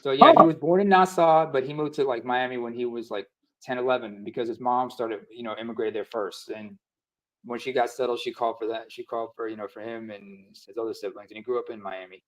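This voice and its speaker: Fast-talking teasing man. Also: medium pitch, fairly even intonation, low-quality recording. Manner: rapid, teasing, trails off quietly. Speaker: panel guest. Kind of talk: casual panel chat.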